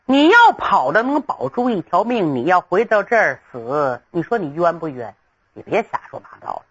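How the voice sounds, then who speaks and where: An anxious, blunt officer who talks fast and urgently, as a storyteller puts him on. The voice is husky and bright. It comes through a dull, lo-fi recording. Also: medium pitch, very animated, pitched below the performer's own voice.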